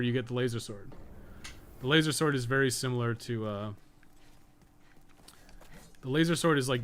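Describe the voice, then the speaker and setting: A man with a mid-pitched voice commentates his own gameplay on a live stream. He rambles casually, swears freely and mutters asides to himself. The recording carries some faint noise. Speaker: podcast co-host playing a game on a live stream.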